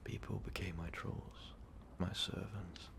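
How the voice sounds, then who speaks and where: A man voicing an ancient, brooding, power-hungry vampire overlord in an ASMR roleplay, talking haltingly and often slipping into whispers. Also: low-pitched, flat delivery, vocal fry, exaggerated voice. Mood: menacing, hungry. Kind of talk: ASMR roleplay monologue, intimate storytelling.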